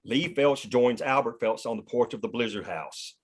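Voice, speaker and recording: A man's voice: mid-range voice, moderate pace. A man reading scene headings and stage directions aloud as scripted narration at a table read.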